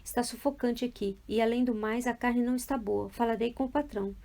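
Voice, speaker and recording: A woman's voice: fairly high pitch, fairly even intonation, a little fast, warm tone, natural voice. A woman voicing a fussy middle-aged wife who complains at a restaurant lunch, in a whiny, complaining manner.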